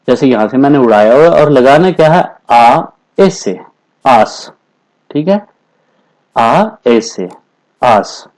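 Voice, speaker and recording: A man teaching Spanish in a classroom-style lesson, explaining patiently, repeating phrases, and saying the Spanish examples slowly and carefully. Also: on the high side, a little mellow, low-quality recording. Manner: explains patiently, repeats phrases, keeps asking "theek hai na".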